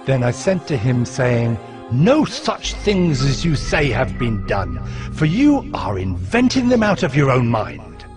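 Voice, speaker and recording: A man playing a steadfast, devout ancient governor, narrating his memoir of scripture in a solemn, measured way. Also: mid-range voice, wildly swooping pitch. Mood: solemn, resolute. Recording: music behind the voice.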